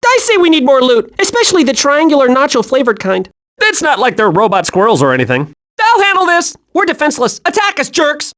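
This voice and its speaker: Hyperactive young male squirrel, game animation: very high, swooping, wide-eyed and childlike. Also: brisk, full character voice. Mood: cheerful, naive. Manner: excitable, naive, wide-eyed. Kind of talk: animated video game voice acting.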